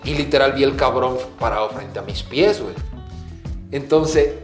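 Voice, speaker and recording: A man from the Caribbean co-hosting a podcast, telling stories in lively casual chat full of slang, acting out his own reactions. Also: medium pitch, moderate pace, reverberant, over music. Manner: animated, acts out his own shouts when telling stories, heavy slang. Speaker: podcast co-host.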